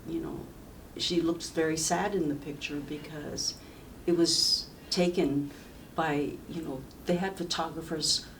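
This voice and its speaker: A woman in her seventies from rural southern China, a native speaker of a Chinese village dialect, reminisces about her life in a halting, reflective way for an oral history interview. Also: low-pitched, fairly even intonation. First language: Sayep village dialect of Chinese. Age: 70s. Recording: distant mic with faint background noise.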